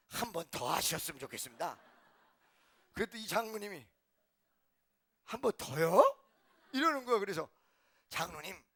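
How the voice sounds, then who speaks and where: A man preaches in a church, his voice high and gravelly with a bright, sharp edge. He tells stories and plays out the dialogue in them, swinging between hushed asides and sudden shouts. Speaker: pastor. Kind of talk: sermon with storytelling.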